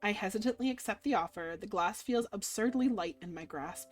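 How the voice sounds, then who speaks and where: A woman's voice: medium pitch, fairly quick. A woman reading visual novel narration aloud as a streamer, telling it expressively and gushing over the characters. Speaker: video game streamer doing a playthrough. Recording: music behind the voice. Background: game music.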